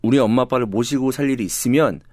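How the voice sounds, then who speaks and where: A man's voice: medium pitch, quick pace, darkish tone, no echo. A man hosting a casual panel podcast in a studio, chatty as he tells stories about his family. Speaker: podcast host.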